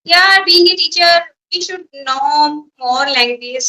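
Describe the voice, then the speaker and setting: High bright Indian woman, hesitant English. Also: slow pace. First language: Hindi. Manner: hesitant, searching for words. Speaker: school teacher learning English. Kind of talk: English practice conversation. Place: at home in a small village.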